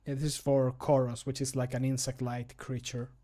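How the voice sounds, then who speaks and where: A man's voice: medium pitch, flat delivery, normal speed, warm tone. A man in his thirties chatting casually on a livestream from a home room, informal and self-deprecating. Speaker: streamer and amateur voice actor. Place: small home room, indoors.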